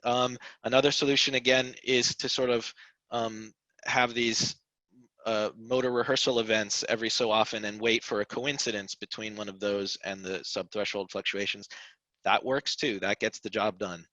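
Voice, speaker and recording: A man's voice: lowish voice, flat delivery, moderate pace, pushed and bright, dry recording. A man speaking thoughtfully in an academic seminar, hesitant with many fillers, over a video call. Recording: dull lo-fi video call audio.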